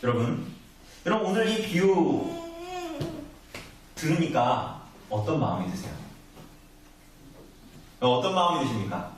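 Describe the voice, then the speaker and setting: A male pastor preaches in a lively, sing-song way, his fairly high voice rising and falling as he quizzes the congregation. The mic is set back from him, and a heavy church echo hangs on every word. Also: measured pace, pauses often, far from the mic, a little hiss or hum. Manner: conversational preaching, asks the congregation questions. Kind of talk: sermon. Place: church sanctuary. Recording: echoey church recorded from afar.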